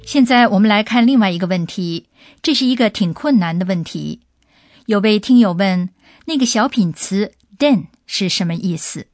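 A woman's voice: medium pitch, lively intonation, moderate pace, a little mellow, no room sound, faint music behind. A woman hosting a radio language lesson, prompting the professor with questions and giving examples. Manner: inquisitive, prompts the expert with questions. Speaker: host.

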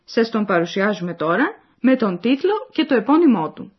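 A woman's voice: medium pitch, big pitch swings, slightly rough. A woman reading the scripted narration of a language course, explaining and addressing the listeners. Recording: dull lo-fi recording.

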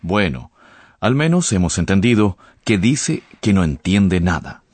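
Deep-voiced professor explaining grammar. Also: male voice, very animated, a little slow, a little mellow, slight background noise. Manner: didactic, patient. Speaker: language professor.

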